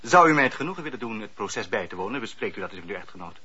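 An actor playing a courteous, calculating magistrate of olden times in a radio drama, speaking in formal, courtly phrases. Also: male voice, lowish voice, expressive, rapid-fire, bright, forceful tone, slightly rough, full character voice. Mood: dry, probing. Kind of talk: period radio drama acting. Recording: dull, muffled old radio recording.

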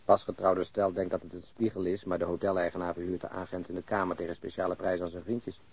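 A droll, gossipy police detective with a low, rough-edged voice. He muses wryly, as in a radio drama, on a slightly dull recording. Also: little pitch movement, fast talker. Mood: amused, musing. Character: chatty, droll male police detective fond of food.

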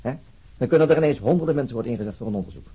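A man playing a terse, sceptical police inspector in a crime radio drama, matter-of-fact and husky. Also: mid-range voice, expressive, racing, warm tone, muffled recording. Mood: insistent.

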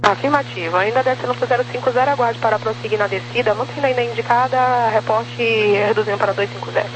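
Rapid, clipped air traffic controller over noisy radio. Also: medium pitch, steady tone. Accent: Brazilian. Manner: clipped, procedural phrasing. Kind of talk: radio callout of aviation clearances. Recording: noisy humming air-band radio transmission.

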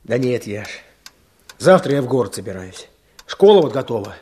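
A husky, earnest villager. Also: male voice, medium pitch, sing-song, normal speed, a little mellow. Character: village man Fyodor, earnest, business-minded. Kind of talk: Soviet radio play acting.

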